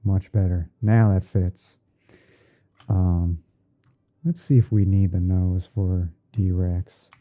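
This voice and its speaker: Deep voiced guy doing asmr stream, slowly talking himself thru edits, sounds muffled like over a phone. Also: steady tone. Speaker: streamer hosting a roleplay. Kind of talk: ASMR livestream, narrating photo editing step by step. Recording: muffled phone-like band-limited audio.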